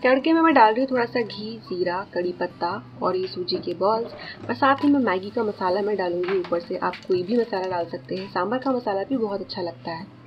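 A woman in her thirties narrating her home cooking in a calm, explanatory voice, talking straight to viewers. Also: medium pitch, a little fast, muffled recording. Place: home kitchen.

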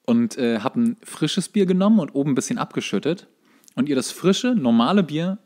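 A man's voice: a little high, animated, a little fast, darkish tone. A man co-hosting a podcast, recounting anecdotes in colloquial, conversational speech. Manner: colloquial, acts out dialogue in stories. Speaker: podcast co-host. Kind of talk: casual chat, anecdotes.

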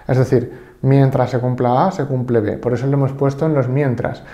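A man with a Spanish-from-Spain accent who teaches Japanese in an online lesson and explains patiently, reading example sentences slowly and checking in often. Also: medium pitch, fairly even intonation, mellow, reverberant, highs cut off.

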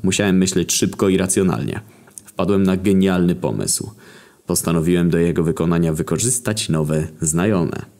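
A young man narrating a satirical story in a deadpan, sarcastic, profane way. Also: low voice, moderate pace. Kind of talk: scripted comic narration.

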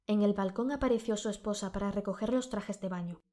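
A woman with a Spanish accent narrating an audiobook, her voice a little strained from a sore throat. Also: mid-range voice. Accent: Spain Spanish. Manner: measured, steady storytelling.

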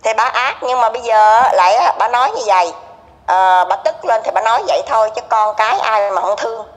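A middle-aged woman with a Southern Vietnamese accent talks in a slightly high voice, gossipy and emphatic, circling back over her points. Her voice carries a lingering reverb. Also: expressive, fairly quick. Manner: gossipy, emphatic, repeats herself. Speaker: neighbor being interviewed. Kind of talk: casual conversation.

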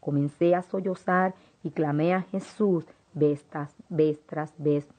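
Solemn low-voiced woman narrator. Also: steady tone, slow, mellow. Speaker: audiobook narrator. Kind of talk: first-person audiobook narration. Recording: dull lo-fi audiobook audio.

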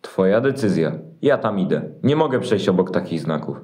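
A man's voice: low-pitched, big pitch swings, moderate pace, warm tone. A man playing an eager, determined shepherd in a Christmas audio play, speaking earnestly and insistently.

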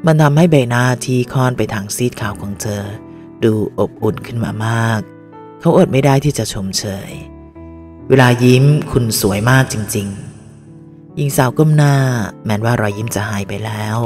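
A man narrating an audiobook in a measured, even, scripted reading. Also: mid-range voice. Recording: long reverb with faint music.

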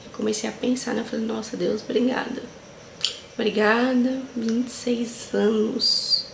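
A woman's voice: on the high side, gravelly. A woman in her twenties vlogging to camera, speaking in an earnest, heartfelt way and often checking in with her viewers. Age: 20s. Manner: earnest, heartfelt, leans on fillers like "sabe" and "né". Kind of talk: casual reflective vlog talk. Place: small tiled room indoors. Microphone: camera at close range. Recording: echoey tiled room, faint noise.

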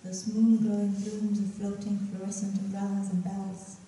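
A young woman poet giving a reading at a lectern on a dark stage, chatty and giggly between her poems and measured as she reads them. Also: medium pitch, completely flat delivery, slight background noise. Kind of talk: poetry reading. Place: dark stage at a festival event. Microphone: stand mic at a lectern. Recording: roomy hall, mic from a distance.

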